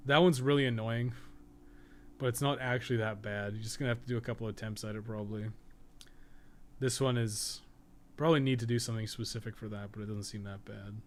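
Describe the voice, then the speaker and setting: A man's voice: fairly low pitch, steady tone, brisk, slight background noise. A man giving casual, rambling livestream game commentary, thinking aloud with some swearing and self-deprecation. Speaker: video game streamer and podcast co-host.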